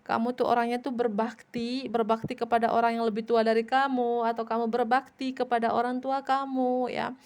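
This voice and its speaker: A woman reading tarot cards for her viewers, speaking gently and directly to the listener with a repeated "ya". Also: a little high, level tone, brisk. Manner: addresses viewer directly, repeats tag "ya" often. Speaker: tarot reader.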